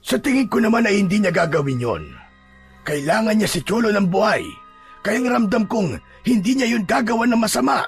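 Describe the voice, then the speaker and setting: A man playing a gentle, remorseful old grandfather in an audio drama, earnest and soothing, with a gravelly, husky voice. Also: high-pitched, animated, normal speed, soft background music. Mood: concerned, soothing. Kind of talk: Filipino audio drama acting.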